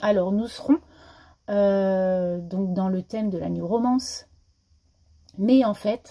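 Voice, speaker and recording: A woman at medium pitch talks at a very slow pace, with long, frequent pauses. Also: ordinary pitch variation. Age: 50s. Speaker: book vlogger. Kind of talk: casual chat. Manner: hesitant, many fillers.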